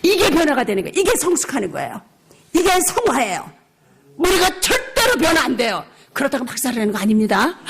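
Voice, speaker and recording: An older woman missionary preaching a revival sermon, telling a personal story with lively acted-out dialogue and frequent laughter. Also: extremely high pitch, a little hiss or hum. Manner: animated storytelling, acting out her own shouting; laughs often while preaching.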